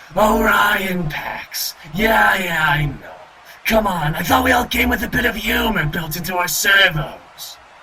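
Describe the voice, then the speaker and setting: Shouting in a put-on character voice, a man speaks at a high pitch and a fairly slow pace. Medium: audio drama. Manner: brusque, wisecracking.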